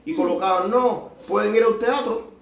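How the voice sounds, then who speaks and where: A man with a Cuban Spanish accent telling his story as a doctor, halting often and mixing Spanish with Portuguese. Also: high-pitched, vocal fry. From Cuba. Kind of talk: casual storytelling. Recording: echoey room, mic at a distance.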